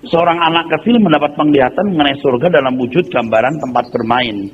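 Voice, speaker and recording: Man preacher, blunt and mocking, high-ish voice, tinny phone-like sound. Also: brisk, slight background noise. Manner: blunt, animated, mocking, slangy. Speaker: pastor. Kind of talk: informal sermon.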